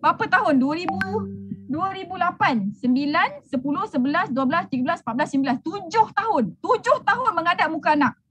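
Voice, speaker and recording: Middle-aged Malaysian woman, business mentor, very high pitch, brash and teasing, preachy. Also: expressive, fast talker, a bit bright, soft background music. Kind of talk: motivational talk to a group.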